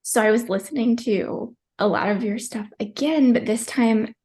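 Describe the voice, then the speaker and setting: This young woman, in her twenties, speaks with a fairly high, mellow voice at a moderate pace. As a podcast guest she relates her personal birth story chattily and emotionally, with many fillers and frequent "likes," occasionally tearing up.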